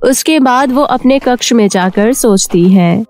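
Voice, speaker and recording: A woman's voice: a little high, unhurried, darkish tone. A woman storyteller reading a scripted children's fairy tale narration. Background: faint music.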